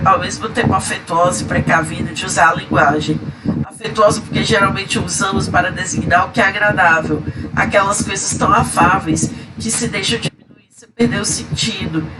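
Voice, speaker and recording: Stuffy-nosed man teaching grammar, noisy. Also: very deep voice. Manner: lists word examples slowly with many fillers. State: stuffy nose. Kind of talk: recorded grammar lesson. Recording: loud background noise.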